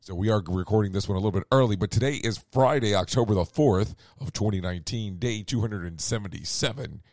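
A man's voice: fairly low pitch, fast talker, darkish tone, dry recording, studio quality. A man hosting a radio show and losing his voice, rambling through the news with sarcastic asides and self-corrections. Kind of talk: casual news commentary.

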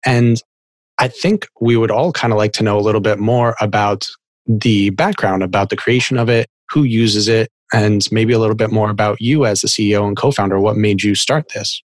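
A man's voice: fairly low pitch, fairly even intonation, normal speed, no room sound. A man hosting a podcast interview over a video call, friendly and talking in long run-on sentences. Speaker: podcast host. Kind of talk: casual interview.

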